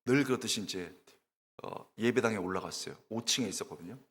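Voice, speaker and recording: Husky male preacher in an echoing church. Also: fairly low pitch, fast talker. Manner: storytelling, shouts and wails while acting out his own tearful prayer; addresses the congregation directly with questions. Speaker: pastor, guest preacher. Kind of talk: sermon. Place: church sanctuary.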